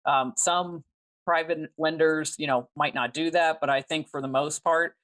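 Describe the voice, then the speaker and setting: A woman who is a private money lender, speaking as an interview guest and explaining things clearly and methodically. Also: low-pitched, steady tone, moderate pace, fairly bright tone. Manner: articulate, methodical, explains step by step.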